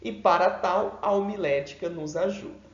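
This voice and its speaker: A man with a Brazilian Portuguese accent teaching a seminary homiletics class in an emphatic, deliberate way, swinging his pitch and loudness for effect. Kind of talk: homiletics lecture. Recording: echoey room, dull lo-fi sound.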